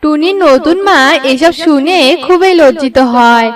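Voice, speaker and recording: A woman's voice: high-pitched, a little slow, distant mic. A woman reading scripted storybook narration for a children's cartoon.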